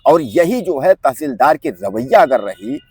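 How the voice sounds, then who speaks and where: A man giving direct-to-viewer news commentary, talking to the audience as friends, repeating his points insistently and often filling pauses with a habitual filler phrase. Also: fairly high pitch, wildly swooping pitch, creaky, a little mellow, husky, dry recording. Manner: keeps inserting the filler "jo hai".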